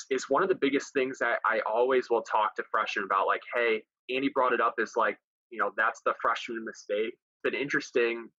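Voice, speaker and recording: A man with a bright, forward voice chats about coaching, circling back on his words as he thinks. The sound is a little muffled and very dry, as if from a home mic. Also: mid-range voice, no echo. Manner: repeats words while thinking aloud. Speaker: college volleyball coach. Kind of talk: casual podcast chat.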